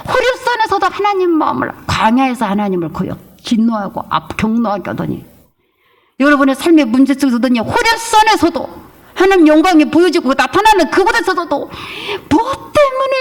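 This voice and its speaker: A middle-aged woman pastor preaching a sermon emphatically, sometimes acting out whiny prayers and scolding the congregation. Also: high-pitched.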